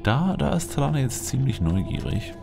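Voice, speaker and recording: A man's voice: medium pitch, sing-song, normal speed, gravelly. A man hosting a Let's Play, giving casual in-character gameplay commentary and musing playfully aloud. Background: game music.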